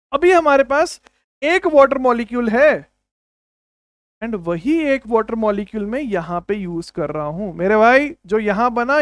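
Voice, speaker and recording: A man's voice: extremely high pitch, clean tone, no echo. Emphatic young man teaching chemistry. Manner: emphatic, repeats key phrases, calls students "my brother". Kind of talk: online exam-prep lecture.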